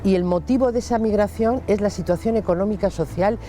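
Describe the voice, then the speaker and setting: A woman's voice: mid-range voice, fairly quick, dark tone, slight background noise. A woman explaining migration matters as an interviewee.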